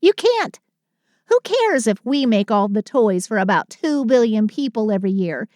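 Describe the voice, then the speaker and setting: Sulky, affectionate female Christmas elf played by a woman for intimate roleplay audio; higher voice, close dry sound, dramatic but fond. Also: very animated, moderate pace, no echo. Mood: indignant venting. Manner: dramatic sighing complaints softened by fond endearments.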